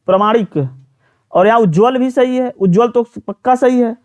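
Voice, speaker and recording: This man's voice is extremely high with a darkish tone, at normal speed. Teaching Hindi in a live online exam-prep class, he walks students through each question, repeats words, keeps prompting them for answers and fills his speech with fillers.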